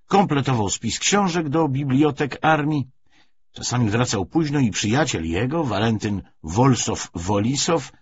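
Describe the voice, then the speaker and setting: A man's voice: medium pitch, husky. A man reading a novel aloud as an audiobook narrator, in scripted literary narration. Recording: dull lo-fi recording.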